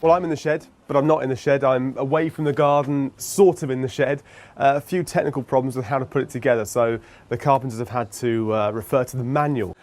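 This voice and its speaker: A man's voice: mid-range voice, fairly even intonation, quick pace, a little mellow, soft background music. A man presenting casually to camera in a wry, jokey manner. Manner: wry, punning.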